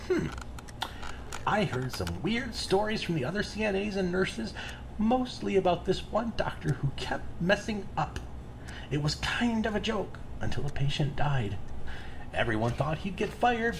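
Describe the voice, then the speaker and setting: A breezy, self-righteous serial killer played by an actor in an audio drama. The voice is casual and chatty, swinging widely in pitch, over faint background noise. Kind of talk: full-cast audio drama acting.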